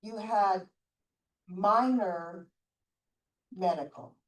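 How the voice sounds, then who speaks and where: A woman's voice: medium pitch, very slow. A woman on a community board asking a question politely and appreciatively. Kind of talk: public meeting question. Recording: roomy distant meeting-room mic.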